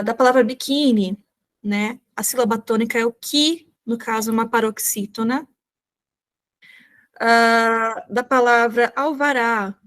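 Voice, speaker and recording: A woman with a Brazilian Portuguese accent answers exam questions in a fairly high voice. She addresses the examiner politely and formally. She often hesitates with fillers as she works out her answers. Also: fairly bright tone. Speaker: exam candidate.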